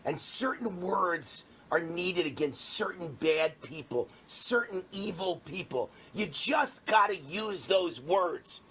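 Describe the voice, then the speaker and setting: A man's voice: high voice, lively intonation, slow, hardly any pauses, fairly bright tone. A middle-aged man from New York hosting a political talk show, ranting with fiery emphasis. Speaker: talk radio host.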